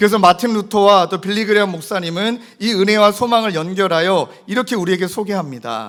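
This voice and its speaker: A man speaks at a high pitch with an animated tone. His pace is moderate. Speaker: pastor. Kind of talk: sermon. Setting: church.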